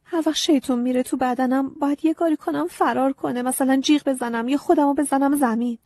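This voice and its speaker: A woman voicing a naive, emotional young farm girl in a breathy audiobook reading, pitched up and pleading. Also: lively intonation, warm tone, no echo, clean studio sound. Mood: earnest.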